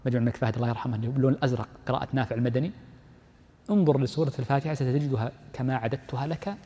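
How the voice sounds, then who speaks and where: A sheikh giving a fast-paced classroom lesson in a warm, slightly husky voice, reading lines from the book and then explaining them with frequent repetition. His voice carries a long reverb from a large lecture hall. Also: medium pitch, fairly even intonation. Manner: explains step by step, repeats key phrases, reads the text aloud then comments. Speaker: sheikh teaching Islamic jurisprudence.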